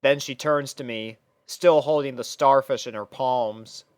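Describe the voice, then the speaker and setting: A man narrates a scripted fan story in the first person. His voice is smooth and clear, with a conversational storytelling manner. The recording is dry, with little room sound. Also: mid-range voice, a little slow, no room sound. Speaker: narrator and reader playing the first-person lead.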